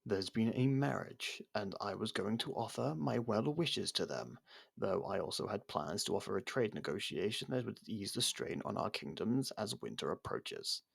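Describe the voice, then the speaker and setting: An actor playing a proud, defiant captured royal in an ASMR roleplay, speaking in a haughty, halting, dramatic way. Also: male voice, fairly low pitch, big pitch swings, creaky, husky, heavily acted. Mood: resigned, disdainful.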